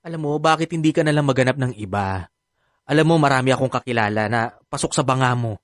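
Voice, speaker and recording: A man's voice: mid-range voice, fast, no echo, clean studio sound, close to an everyday voice. An actor playing a sassy, dramatic, effeminate gay man in a radio drama, with a Filipino accent and campy, exasperated delivery. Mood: wary.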